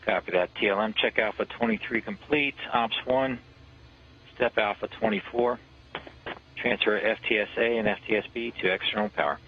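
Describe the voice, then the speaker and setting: A man working as launch conductor, giving clipped procedural calls over a radio communications loop, brisk with small hesitations. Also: on the low side, fairly even intonation, slight background noise. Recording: muffled lo-fi radio channel.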